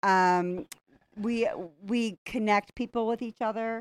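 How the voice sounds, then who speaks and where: A woman with a Wisconsin accent speaks with ordinary pitch variation. The sound is dry and close with no echo, on a very clean recording with a silent background. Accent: mild Wisconsin. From US Midwest, Appleton, Wisconsin. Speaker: teacher and beer enthusiast. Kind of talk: casual chat.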